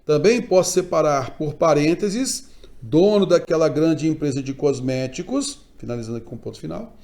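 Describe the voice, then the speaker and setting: A Brazilian man teaching a Portuguese grammar lesson online, explaining step by step and often checking in with quick tags. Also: fairly high pitch, a little mellow. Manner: didactic, frequent check-in tags, emphatic stresses. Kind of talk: online exam-prep lecture.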